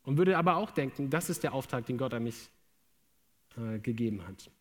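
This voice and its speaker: A man's voice: medium pitch, expressive, a little fast. A young man, a theology student, preaching a casual, humorous sermon to an audience in a large room. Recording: long hall reverb.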